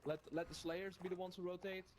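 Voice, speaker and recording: A man's voice: high-pitched, level tone, a little fast, background noise. A man coaching gamers over a voice call, friendly, with lots of fillers and restarts.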